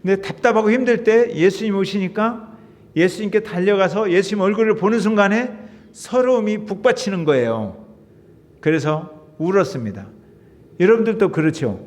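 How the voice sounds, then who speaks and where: Man, middle-aged pastor, sermon, high voice, long church reverb. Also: moderate pace. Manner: emotive, conversational preaching to the congregation. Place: church sanctuary.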